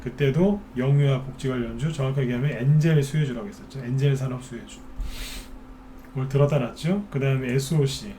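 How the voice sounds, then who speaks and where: A man's voice: mid-range voice, brisk, dark tone, slight background noise. A man hosting a stock market broadcast, talking casually and firing off rhetorical questions, often mimicking worried investors. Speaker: stock market expert host.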